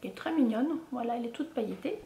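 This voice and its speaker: Lady chatting through a haul, lots of euh and restarts, kinda high voice, echoey room. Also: animated, fast, vocal fry, very noisy. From France. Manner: chatty, many fillers and restarts. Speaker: vlogger. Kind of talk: casual haul vlog.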